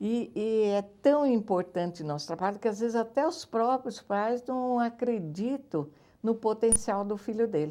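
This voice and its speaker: Her fairly high voice has a dark, mellow tone and lively intonation at a fairly slow pace. This woman is heard in a very clean recording with a silent background. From Brazil, São Paulo state (Pederneiras). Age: 80s+. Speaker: charity president. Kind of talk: TV interview.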